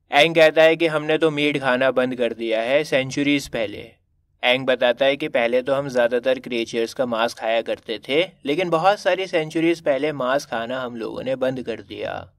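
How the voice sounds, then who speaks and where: With a plain, everyday voice, a man holds a medium pitch and ordinary pitch variation, recorded very cleanly against a silent background. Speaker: English teacher. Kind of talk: tutorial. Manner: conversational, addressing students directly.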